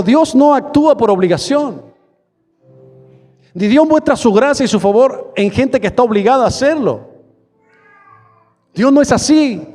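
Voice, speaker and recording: A male pastor preaching a sermon in a church, moving between quick bursts and slow, drawn-out emphasis, and acting out prayers and the voices of imagined listeners. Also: high voice, warm tone, in a large hall.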